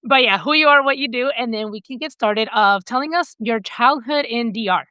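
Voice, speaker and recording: Chatty podcast host, woman, bright and smooth voice, dry close mic. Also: on the high side, fairly quick, dry recording, muffled recording. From Dominican heritage, US-raised. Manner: chatty, rambling, laughs often. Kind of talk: casual interview chat.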